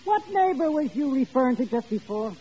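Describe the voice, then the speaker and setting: Officious lodge official, high animated voice, pompous bad grammar, radio comedy, muffled vintage recording. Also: male voice, a little fast, breathy edge, full character voice. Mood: officious, wry. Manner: ungrammatical pompous phrasing. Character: officious, folksy working-class lodge brother on business. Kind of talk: old-time radio sitcom acting. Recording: dull vintage radio recording, faint noise, audience.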